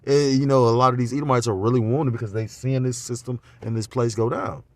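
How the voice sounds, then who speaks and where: A man giving an informal religious lesson on a phone, talking loosely with many fillers and getting louder and more animated as he goes. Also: medium pitch, a little fast, no room sound. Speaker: religious teacher.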